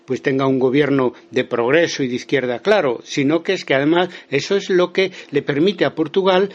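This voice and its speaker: Galician guy on a muffled phone call, kinda high voice, lots of eh and restarts. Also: brisk. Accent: Galician Spanish. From Spain. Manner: hesitant, many fillers and restarts. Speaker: interview guest, historian. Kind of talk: phone interview. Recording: lo-fi phone line.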